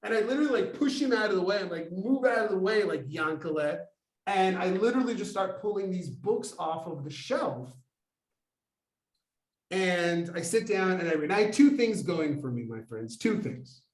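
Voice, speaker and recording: A man in his forties, raised in America, telling a lively personal story to an audience as a Kabbalah teacher, acting out the dialogue as he goes. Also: high-pitched, normal speed, distant mic. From United States. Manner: animated, acts out dialogue, many fillers. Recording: echoey room, voice from afar.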